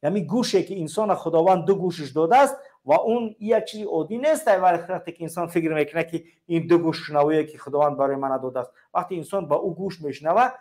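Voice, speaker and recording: A man with a Tajik accent hosts a political call-in show. His voice sits fairly high, and he delivers it like a sermon, stacking parallel phrases one after another. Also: lively intonation, darkish tone. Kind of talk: preachy political call-in talk.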